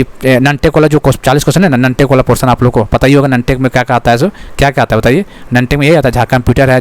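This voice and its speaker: A man teaching an exam-prep lesson, repeating his own questions to the class and filling with frequent checks like "okay". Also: mid-range voice. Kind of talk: fast exam-prep lecture.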